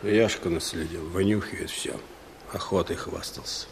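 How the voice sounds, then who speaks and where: An actor playing an old village man who is sly and quietly scornful, in a radio play. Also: sits low, fairly even intonation, normal speed, gravelly, background noise. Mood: muttering scorn. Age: older. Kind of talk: Soviet radio play acting.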